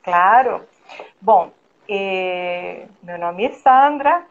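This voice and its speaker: A woman with an Argentine Spanish accent, a guest architect speaking slowly and hesitantly with many fillers in a casual conversation. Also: medium pitch, lively intonation, phone-quality sound, a little hiss or hum. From Argentina (Buenos Aires), born in Brazil. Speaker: guest, architect and interior designer.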